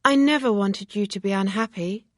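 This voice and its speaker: A woman's voice: medium pitch, moderate pace, dry recording, studio quality, voice pushed up, lightly acted. A woman reading a story aloud, voicing a proper young lady who speaks earnestly in precise, formal phrasing. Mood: careful.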